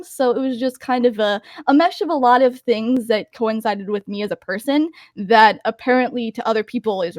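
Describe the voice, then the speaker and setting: A woman's voice: no echo, clean studio sound. A young woman voice actor answering interview questions casually, with many fillers and restarts. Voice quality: higher-pitched voice. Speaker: voice actor guest.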